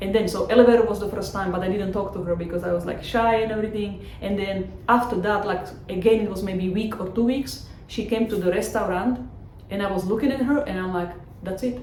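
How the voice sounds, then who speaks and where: Over noticeable background noise and audible room echo, a woman in a Slovak accent talks at a very fast pace with a medium pitch and fairly even intonation. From Slovakia. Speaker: tattoo artist. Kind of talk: interview.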